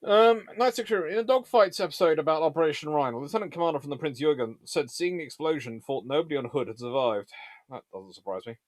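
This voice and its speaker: A man's voice: fairly high pitch, fast, dry recording. A man hosting a casual live question-and-answer session, talking in a rambling, discursive way and often correcting himself. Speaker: host answering viewer questions on naval history.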